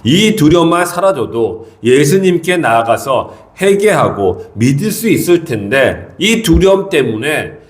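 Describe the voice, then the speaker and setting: A middle-aged male pastor preaching an early morning sermon, explaining scripture earnestly and repeating his key points for emphasis. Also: a little high.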